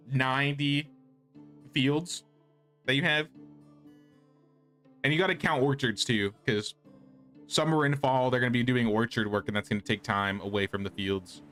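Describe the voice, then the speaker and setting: A man's voice: medium pitch, a bit bright. A man doing casual livestream gameplay commentary, chatting and thinking aloud as he plays. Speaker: game streamer.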